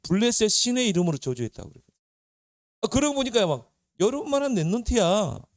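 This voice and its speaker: A man's voice: high voice, a little fast, dry recording, studio quality. Storytelling male pastor preaching to youth. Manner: lively storytelling, acting out Bible characters; conversational preaching, asks listeners questions. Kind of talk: sermon to youth.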